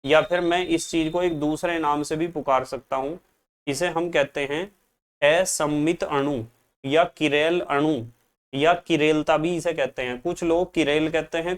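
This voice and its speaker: Patient Hindi chemistry teacher, smooth voice. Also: male voice, fairly high pitch. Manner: patient, repeats key terms. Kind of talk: classroom lecture.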